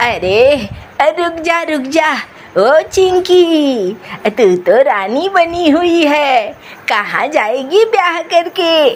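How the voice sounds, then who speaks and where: A cartoonish character voice, female-sounding and high-pitched, at a very slow pace over clear background noise. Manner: nosy, gossipy.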